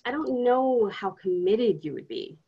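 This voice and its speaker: An actress playing a young woman in grad school who interviews and gently teases the man she loves. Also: a little high, measured pace, gravelly, husky, dull audio, full character voice. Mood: earnest. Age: young adult. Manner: lively, probing, gently mocking.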